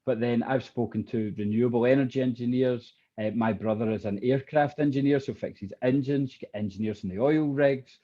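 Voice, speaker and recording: Man, interview host, mellow warm timbre, medium pitch, informal summing up, dull recording. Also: a little fast, few pauses.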